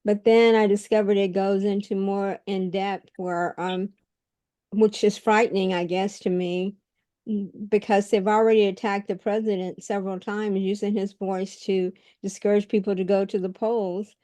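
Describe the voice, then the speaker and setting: A woman's voice: mid-range voice, flat delivery, moderate pace, mellow, no echo. A woman introducing herself on a video call, frank and outspoken but a little hesitant. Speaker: workshop participant. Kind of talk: casual self-introduction.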